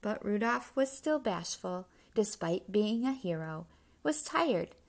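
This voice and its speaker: A woman reads a children's storybook aloud in an expressive, emphatic rhyming delivery, pausing for explanatory asides. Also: medium pitch, creaky.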